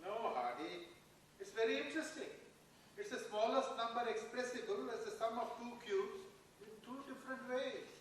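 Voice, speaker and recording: Man acting an earnest, very high-voiced genius, echoey. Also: expressive, normal speed. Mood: eager. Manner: earnest, insistent. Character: Ramanujan, earnest, stubborn, ailing Indian male mathematical genius. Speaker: actor in a dramatised play reading. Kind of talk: staged dramatic play reading. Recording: echoey hall, distant mic, faint noise.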